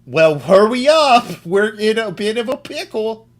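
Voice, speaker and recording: Using a put-on character voice, a man speaks high at a moderate pace. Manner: impatient, comedic.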